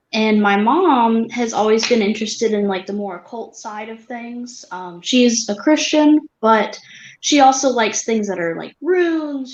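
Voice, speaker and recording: A woman with an American accent and a fairly high pitch has an unremarkable speaking voice. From California. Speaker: witch, interviewee. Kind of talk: interview.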